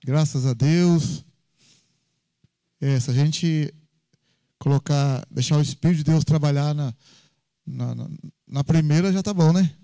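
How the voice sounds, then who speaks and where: A man with a Brazilian Portuguese accent preaching an informal sermon in a church, telling personal stories with lively frequent tag questions. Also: on the high side, unhurried, long pauses, dry recording. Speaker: pastor.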